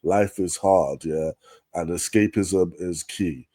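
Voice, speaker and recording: A man's voice: deep voice, slow, warm tone, dry recording, studio quality. A man co-hosting a wrestling podcast, chatty and casual, filling his talk with "like" and "man". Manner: chatty, lots of likes and mans. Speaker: co-host.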